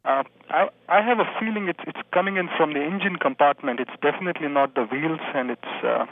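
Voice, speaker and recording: A man's voice: a little high, a little fast, no echo. A polite young man with an Indian accent calling in to a radio show, describing his car carefully with some hesitation. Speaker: caller. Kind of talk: phone call to radio show. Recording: tinny phone line.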